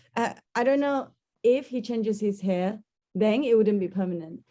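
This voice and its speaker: Lively in intonation, a woman with a non-native accent speaks at a medium pitch in a dark, mellow tone. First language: not English. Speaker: language student. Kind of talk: online language class. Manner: halting.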